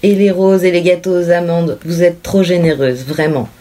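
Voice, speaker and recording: A woman reading the part of a composed, unsettling little girl in a soft, quiet, low voice. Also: normal speed, close to an everyday voice. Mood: calm. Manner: calm, polite and unsettling. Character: eerie, composed little girl who moves in uninvited. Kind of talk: audiobook character reading.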